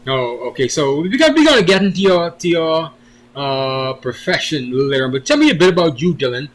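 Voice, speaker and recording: Hosting a conversational interview, a man introduces and questions his guest with emphasis. His voice is fairly high and sing-song, and he speaks fairly quickly.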